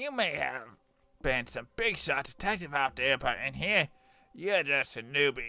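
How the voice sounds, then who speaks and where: A man puts on a strained character voice at a fairly high pitch, speaking at a moderate pace. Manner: strained, put-on.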